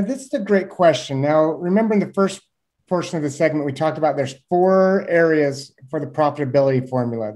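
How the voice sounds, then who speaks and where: Man, 30s, mellow warm tone, animated explainer, webcam audio. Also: fairly high pitch. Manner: animated, gestures with hands, uses homely examples. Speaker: guest expert. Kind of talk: explaining to a host in a video call interview. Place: small room indoors. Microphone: webcam on a video call.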